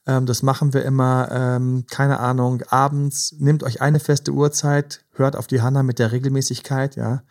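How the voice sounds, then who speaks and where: A man hosting a podcast, gently advising couples in a casual chat, with many fillers. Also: mid-range voice, little pitch movement, normal speed, hardly any pauses. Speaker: podcast host.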